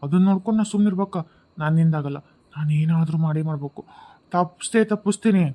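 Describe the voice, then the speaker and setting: A man's voice: a little high, quick pace, mellow, close to an everyday voice. A man voicing a vengeful North Karnataka husband ghost. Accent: North Karnataka Kannada. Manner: sobbing complaints turning to vengeful threats. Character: newly dead young husband's ghost, bitter, vengeful. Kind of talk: cartoon voice acting.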